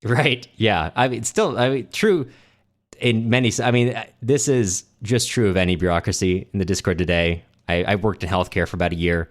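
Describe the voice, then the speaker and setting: A man's voice: on the low side, normal speed. A man co-hosting a podcast, discussing a book in an informal, rambling, wry way. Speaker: podcast co-host. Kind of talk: casual book discussion chat.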